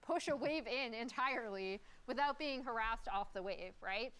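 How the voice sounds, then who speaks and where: High-voiced woman analysing esports matches. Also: normal speed, crowd noise.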